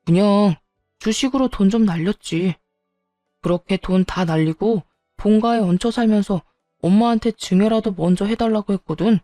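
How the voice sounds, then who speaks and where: A woman's voice: medium pitch, normal speed, warm tone, dry recording, soft background music, close to an everyday voice. A woman voicing a self-pitying ex-husband who pleads, then turns petulant and defensive. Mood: complaining. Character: whiny self-pitying ex-husband, grown man.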